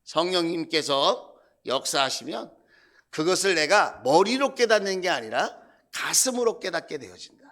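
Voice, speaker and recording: A male pastor giving a Sunday sermon, earnest, sometimes acting out his own prayers in a quieter voice. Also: a little high, very animated, moderate pace. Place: church sanctuary.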